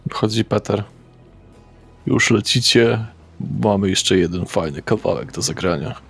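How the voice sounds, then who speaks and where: A man as game master, narrating and directing players in a brisk, matter-of-fact way. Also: lowish voice, creaky, fairly bright tone, breathy edge, soft background music.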